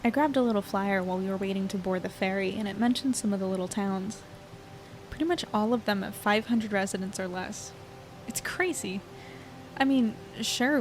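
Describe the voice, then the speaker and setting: A woman's voice: mid-range voice, lightly acted, rough recording. A woman in her twenties playing an earnest young reporter in an audio drama, conversational and hesitant as she thinks aloud. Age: 20s. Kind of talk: audio drama, naturalistic monologue and dialogue.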